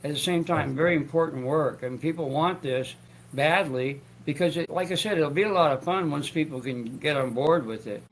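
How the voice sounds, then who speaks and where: A man's voice: a little high, normal speed, rough recording. A man hosting his own talk show, speaking in a rambling, stammering way with frequent restarts and joking asides. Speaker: show host.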